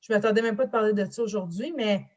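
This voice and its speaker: A woman with a Franco-Ontarian French accent, a guest in a casual panel discussion, talking lively and colloquially with English words slipped in. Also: medium pitch, fast, dull audio.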